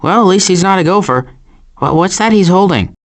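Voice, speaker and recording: A man voicing a sardonic, glib animal adventurer in an animated video game, with dry sarcasm and deadpan asides. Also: sits high, brisk.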